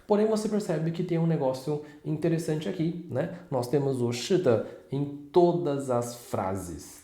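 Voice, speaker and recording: A man teaches a language lesson in a warm, mellow voice. His pitch moves around a lot as he explains and keeps checking that the learner follows. The recording sounds roomy, with noticeable echo. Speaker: Mandarin teacher.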